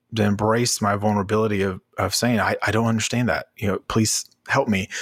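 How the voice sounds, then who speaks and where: A man with an American accent talks at a moderate pace in a fairly low voice with monotone, flat intonation, the sound dry and close with no echo on a very clean recording with a silent background. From Germany, US military family. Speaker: podcast co-host, professor. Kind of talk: casual discussion.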